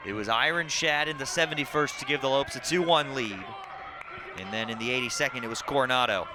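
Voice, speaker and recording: A male play-by-play commentator calls a soccer match on live TV, alternating short clipped calls of the action with statistical recaps. His mid-range voice runs a little fast. The outdoor broadcast is clearly noisy, filled with crowd sound and ambient noise.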